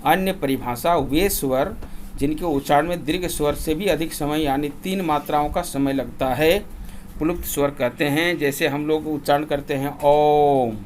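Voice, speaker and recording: Male grammar teacher, slightly high voice, slow drilling delivery, faint hiss behind. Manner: slow deliberate chanting of vowel lists for recitation. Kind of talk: classroom lesson.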